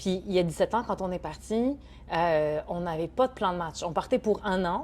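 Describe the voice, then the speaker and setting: Speaking with a medium pitch and ordinary pitch variation, a woman keeps a moderate pace. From France. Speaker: business coach. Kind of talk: podcast interview. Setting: studio. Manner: articulate, clear diction.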